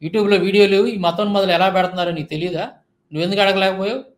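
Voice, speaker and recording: A man's voice: high voice, steady tone, fast. A man giving a heated monologue rebuttal, firing off indignant rhetorical questions. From India. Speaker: Christian YouTube commentator.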